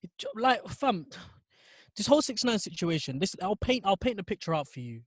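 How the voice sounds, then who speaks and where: A man's voice: high voice, sing-song, brisk, dry recording, studio quality. A man with a London roadman accent, chatting and arguing casually in street slang. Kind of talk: casual chat, debating.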